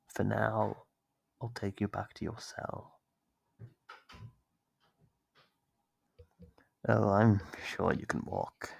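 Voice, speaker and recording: Horror ASMR monster captor, played by a man: deep, unhurried, smugly menacing, taunting his prey in a husky, breathy drawl. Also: dry recording, full character voice. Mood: mock reassurance. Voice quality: gravelly, husky, often dropping to a breathy whisper. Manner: slow, taunting, theatrical drawl with drawn-out pauses. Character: sadistic male monster captor, smug, menacing, toying with prey. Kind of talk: horror ASMR roleplay monologue.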